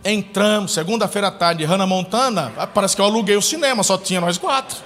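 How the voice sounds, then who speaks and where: A man's voice: high voice, fast, a bit bright, in a large hall. A man preaching a sermon as pastor, telling a story with acted-out quotes. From Brazil. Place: church hall.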